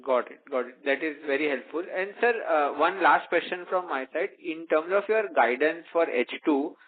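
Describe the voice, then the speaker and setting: A man's voice: fairly high pitch, moderate pace, breathy edge. A man asking questions as a financial analyst on an earnings call, politely and with hesitant phrasing. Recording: tinny narrowband phone line.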